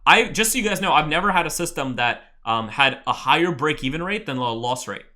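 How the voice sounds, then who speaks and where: A trading mentor teaching a live webinar, excitable and profane, often bursting into loud exclamations. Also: medium pitch, fairly quick.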